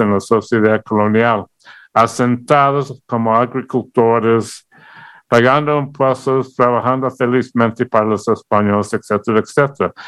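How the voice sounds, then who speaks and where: Speaking at a fairly slow pace, a man uses a normal speaking voice of medium pitch with fairly even intonation. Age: 60s. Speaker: retired historian. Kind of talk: interview.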